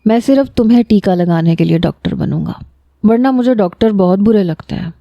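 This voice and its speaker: A woman's voice: mid-range voice, no room sound, highs cut off, lightly acted. A woman voicing an injured young man with amnesia who whines and pouts like a scared child, in a storybook reading. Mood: sulky. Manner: whiny, pouting, childlike threats.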